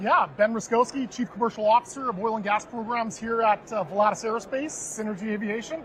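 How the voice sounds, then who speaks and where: A man with a Canadian accent talks very fast at a high pitch, with hardly any pauses and ordinary pitch variation. Noticeable background noise runs underneath. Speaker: aviation company executive. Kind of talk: live trade show interview. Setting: trade show floor.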